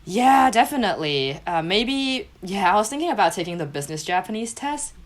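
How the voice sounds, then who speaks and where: A woman's voice: mid-range voice, sing-song, fairly quick. A young woman whose first language is Cantonese, a podcast guest chatting casually and laughing often mid-sentence. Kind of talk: casual chat.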